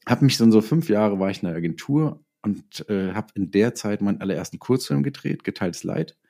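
Low, mellow-voiced man telling stories. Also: lively intonation, brisk, gravelly. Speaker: interview guest, writer and director. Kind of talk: casual personal storytelling in an interview.

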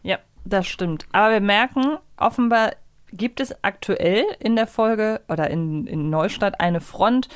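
A woman's voice: mid-range voice, a little slow, clean tone, no room sound, clean studio sound. A woman co-hosting a podcast in casual discussion. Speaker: podcast co-host.

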